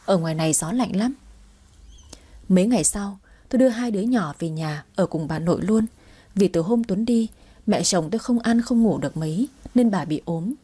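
A woman's voice: mid-range voice, animated, brisk, dark tone, breathy edge. A woman in her twenties narrating her own sad family story in a sorrowful, reflective way. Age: 20s. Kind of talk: first-person story narration.

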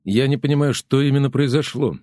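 A man doing a calm, puzzled man. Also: mid-range voice, a little fast, no room sound, studio quality, voice pushed up, close to an everyday voice.

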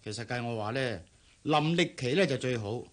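A man's voice: medium pitch, lively intonation, normal speed, lightly acted. An actor playing a shrewd, money-minded middle-aged father who lectures his daughter, speaking with a Hong Kong Cantonese accent in a radio drama. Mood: lecturing. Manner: lecturing, scornful.

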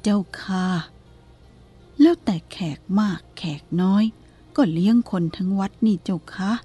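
A woman voicing a humble, deferential elderly female country cook in a storybook reading, slow and polite. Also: medium pitch, dark tone, breathy edge. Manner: deferential, polite and self-effacing.

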